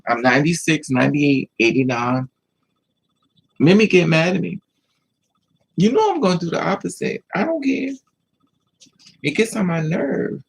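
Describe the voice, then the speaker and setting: Husky, gravelly, sassy American livestream host, higher-pitched man. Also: moderate pace, pauses often. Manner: candid, sassy, animated storytelling with mocking quotes. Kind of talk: casual livestream chat to viewers.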